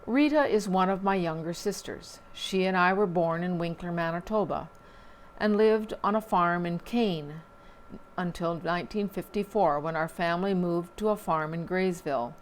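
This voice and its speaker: A woman reading local newspaper items aloud at a measured pace, with small slips and dry asides. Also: on the low side, a little hiss or hum.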